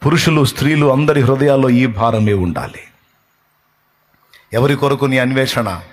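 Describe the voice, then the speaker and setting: Man, pastor, impassioned sermon, husky, mid pitch. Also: normal speed. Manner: impassioned preaching, retelling scripture scenes and asking the congregation questions. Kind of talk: Telugu sermon.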